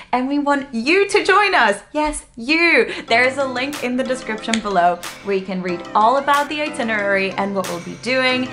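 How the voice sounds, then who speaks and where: A woman in her twenties from the Czech Republic with a blended British and North American accent, chatting excitedly as a travel vlogger. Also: medium pitch. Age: 20s. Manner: chatty and excitable, laughs often. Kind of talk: casual vlog narration. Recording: music playing behind voice-over.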